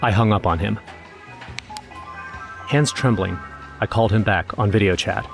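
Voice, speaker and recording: A man's voice: on the low side, normal speed, vocal fry, over music. An actor playing an anxious young man who narrates his own horror story in a scripted audio drama. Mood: dread. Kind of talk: first-person scripted horror narration with acted dialogue.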